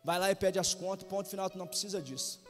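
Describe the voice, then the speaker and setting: A man with a Brazilian Portuguese accent voicing a soft-hearted mother gently scolding her son, in a quiet, coaxing tone. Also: sits high, fast, natural voice. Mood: gentle scolding. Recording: reverberant church hall with faint music.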